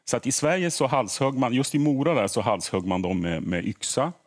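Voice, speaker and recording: A middle-aged man, a history podcaster, explaining earnestly in a TV studio interview and often repeating words as he thinks. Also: mid-range voice. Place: TV morning show studio.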